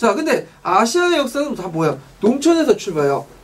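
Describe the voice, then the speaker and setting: Noticeable background noise behind fairly quick speech. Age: 30s. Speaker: history exam lecturer. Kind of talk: lecture.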